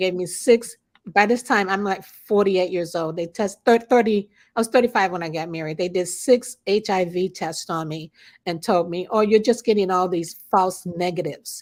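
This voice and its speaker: A woman's normal speaking voice at a moderate pace, with ordinary pitch variation, in a very clean recording with a silent background. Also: medium pitch for a woman. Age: 60s. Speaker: lupus patient advocate. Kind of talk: casual chat.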